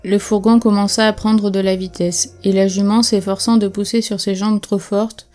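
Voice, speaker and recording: A woman narrating an audiobook in a measured, even reading. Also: medium pitch. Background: faint music.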